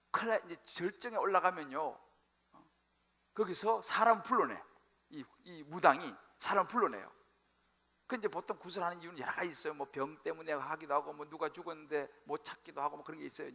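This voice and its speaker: A male pastor preaching a sermon, telling the story with animated, acted-out quotes. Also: a little high. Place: church sanctuary.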